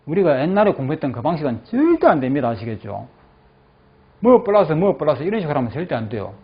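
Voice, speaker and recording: A male English teacher in a classroom, saying phrases slowly and then explaining them, often checking that the class follows. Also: on the high side, very animated, husky. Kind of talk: classroom lecture with repeat-after-me drills. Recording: dull lo-fi classroom recording.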